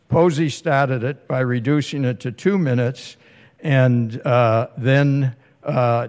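An older man with a Boston accent making informal, halting public comments at a council meeting. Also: mid-range voice. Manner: hesitant, halting delivery. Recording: echoey hall with long reverb.

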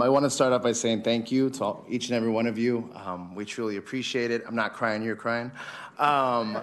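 A man who co-founded a community group, giving a heartfelt, halting acceptance speech at a podium microphone. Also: lowish voice. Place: city council chamber.

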